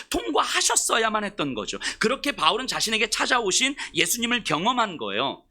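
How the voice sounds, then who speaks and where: A man preaching a sermon as pastor, telling the story in an animated way and putting questions to his congregation. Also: sits high.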